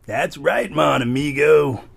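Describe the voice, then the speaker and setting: A man playing a cheery, menacing hired-goon raider bro with a gravelly, raspy voice in a comedy audio drama. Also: on the high side, slow pace, heavily acted. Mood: boastful. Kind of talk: post-apocalyptic comedy audio drama acting.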